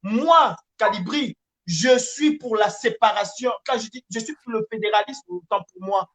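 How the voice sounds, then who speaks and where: A man's voice: high voice, moderate pace, fairly bright tone. Emphatic Francophone Cameroonian man making an appeal. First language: French. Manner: emphatic, repetitive, hesitating as he searches for words. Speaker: activist and campaigner. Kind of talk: impassioned political appeal.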